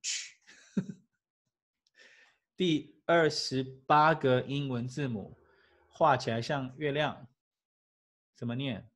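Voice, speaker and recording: A man, an English teacher giving a lively classroom lecture full of rhetorical questions and chuckles. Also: mid-range voice, slow, pauses often.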